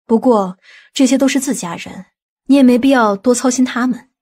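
A domineering aunt from an audiobook drama, acted by a woman. Her voice sits fairly high with a slightly husky edge. She talks in a bossy, scolding way, quick to show irritation. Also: dark tone, close to an everyday voice. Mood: instructing.

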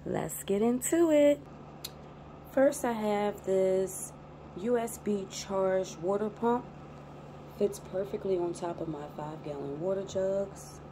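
A woman's voice: mid-range voice, slow pace, warm tone, rough recording. A woman vlogger giving a casual show-and-tell narration, recorded indoors on a handheld phone. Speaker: vlogger, channel host. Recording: noticeable background noise on phone recording.

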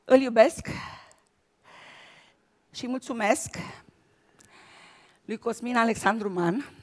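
A comic actress doing a lively stand-up monologue on a gala stage, telling a story with sudden shouted bits. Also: female voice, on the high side, slight background noise.

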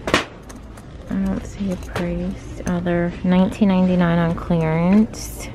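Low-pitched woman, monotone delivery, store vlogger reading off prices, phone-mic sound with shop noise behind. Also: takes it slowly. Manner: low-key, steady price-listing commentary. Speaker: shopping vlogger. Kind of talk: casual shop-with-me narration. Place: large retail store, indoors. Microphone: handheld phone camera. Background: store ambience noise.

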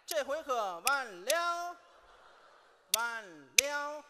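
A man performing comic crosstalk, half singing a story in a deadpan, sing-song way to the beat of clapper boards on a theater stage. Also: very high voice, extremely slow, very noisy.

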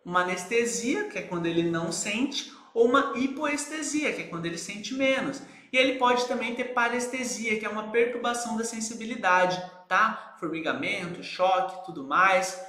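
Man teaching in a bright voice. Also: high-pitched, expressive, moderate pace, hardly any pauses, roomy sound. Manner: didactic, asks rhetorical questions and checks in with "tá, gente?". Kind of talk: recorded lecture.

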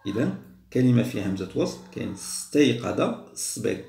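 A man speaking as a primary school teacher, going through test questions and repeating each word slowly for children. His voice is heavily gravelly with a middling pitch. The recording sounds roomy and echoey. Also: very animated, warm tone, a little hiss or hum. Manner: patient, repeats words slowly for pupils. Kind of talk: explaining a second-grade Arabic test.

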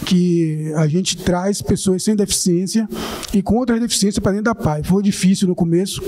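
A man in his forties with a Bahian accent speaks on an indoor panel, seated among other guests. His voice sits high, yet the tone is soft and mellow. He talks earnestly and informally, often tagging his sentences with a questioning aside. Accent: Bahian Portuguese. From Bahia, Brazil. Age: 40s. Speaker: panelist, social assistance coordinator. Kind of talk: panel talk, personal account.

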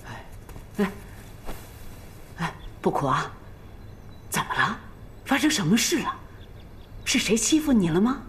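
A fussing, doting old matriarch. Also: female voice, mid-range voice, very animated, a little slow, long pauses, slight background noise. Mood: coaxing. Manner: fussing and coaxing, with sighing exclamations. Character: fussy, doting, hard-hearted rich family matriarch. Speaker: matriarch of the family. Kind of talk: period TV drama acting.

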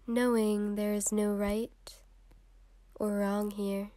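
A woman leading a guided meditation in a soft, soothing, unhurried way with long pauses, breathy at times. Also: medium pitch, little pitch movement, no echo.

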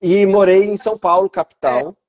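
A man in his thirties from Brazil, a teacher speaking as an interview guest on a video call through an earphone headset, calm and explanatory. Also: high-pitched, moderate pace. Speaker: biblical Hebrew teacher, guest.

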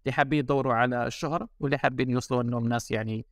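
A man's voice: medium pitch, steady tone, racing, no echo. A man with an Algerian Arabic accent, a designer guest chatting casually on a podcast and mixing in English and French words. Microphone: remote call.

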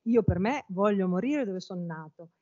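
A woman's voice: mid-range voice, animated, moderate pace, mellow, natural voice. A woman voicing a sorrowful, stubborn old fisherman grandfather, in a dull lo-fi recording.

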